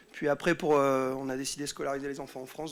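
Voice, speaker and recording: A man is speaking. His pace is fairly quick. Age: 40s. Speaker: business speaker presenting a training tool. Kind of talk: sales pitch presentation. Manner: hesitant, many 'euh' fillers.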